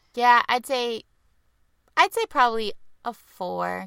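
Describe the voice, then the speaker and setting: A woman talks at a fairly slow pace. Her voice sounds dry and close, with no echo. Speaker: co-host, host's wife. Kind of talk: casual chat.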